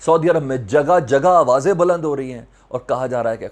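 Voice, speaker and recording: A man's voice: mid-range voice, brisk. A man with a Pakistani accent giving current affairs commentary to viewers, emphatic, repeating phrases and asking rhetorical questions, with English words mixed in. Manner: mixes English words into speech. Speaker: host of a news commentary video channel.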